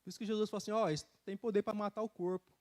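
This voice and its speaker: Middle-aged man, high voice, lively preaching testimony with casual asides. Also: very fast. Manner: animated storytelling with laughter and colloquial asides. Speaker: church speaker giving a testimony. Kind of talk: sermon testimony. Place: church sanctuary.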